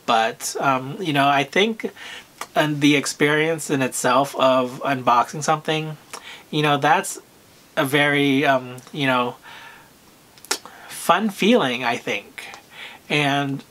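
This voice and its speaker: A man talking casually to camera about luxury purchases, with a soft, soothing voice and a hesitant manner full of pauses and fillers. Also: fairly high pitch. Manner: unhurried, hesitant, full of "um" and "you know", frequent throat clearing. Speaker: luxury fashion vlogger.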